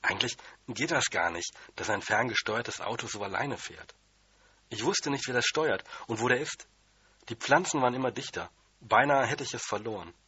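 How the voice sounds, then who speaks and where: A man's voice: mid-range voice, lively intonation, moderate pace, bright, forceful tone, breathy edge, no room sound, dull audio. A man reading a children's story aloud in the first person, in a plain, childlike manner. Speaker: audiobook reader.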